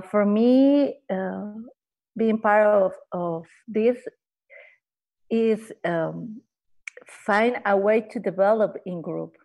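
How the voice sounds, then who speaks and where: Slow-talking woman from costa rica, halting and careful. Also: mid-range voice, darkish tone. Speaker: guest, microbiologist. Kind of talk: casual self-introduction.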